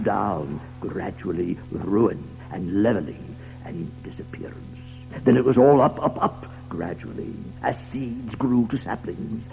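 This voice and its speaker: Children's audio drama: older male badger, gravelly, animated, hospitable, given to chuckles and repeated phrases. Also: medium pitch, low-quality recording. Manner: hesitant, chuckling, repeats his words.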